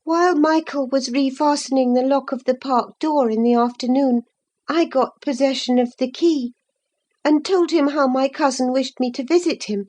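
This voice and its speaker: A woman's voice: sits high, a little mellow, pitched above the performer's own voice. A woman voicing an earnest, impulsive teenage girl in an audiobook, talking in an eager, confiding way. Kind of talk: audiobook character voice.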